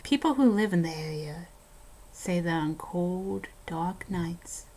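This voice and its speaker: A woman playing a horror fan who swaps spooky tales in a dramatic way, dipping into hushed tones. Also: on the low side, animated, takes it slowly, slight background noise. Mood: ominous. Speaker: horror story narrator. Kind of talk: scripted ghost story narration and acted banter.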